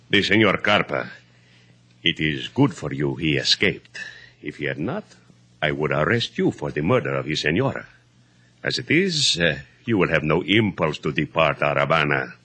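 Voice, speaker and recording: An actor playing a courteous but menacing Cuban police inspector in a radio drama, speaking formally with a Cuban Spanish accent. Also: male voice, very deep voice, sing-song, bright, forceful tone, husky, heavily acted. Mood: coolly menacing. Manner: formal, deliberate, mock-polite. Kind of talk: 1950s radio drama acting.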